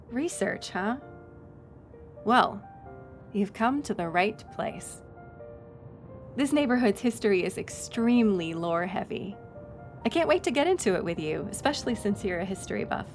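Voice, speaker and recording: A woman's voice: on the high side, expressive, unhurried, pauses often, faint music behind. A woman playing a friendly, chatty young docent at a historic house in an audio roleplay, casual and upbeat as she talks to the listener. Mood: curious, enthused. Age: young adult. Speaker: museum tour guide. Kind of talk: audio roleplay, one-sided conversation with listener.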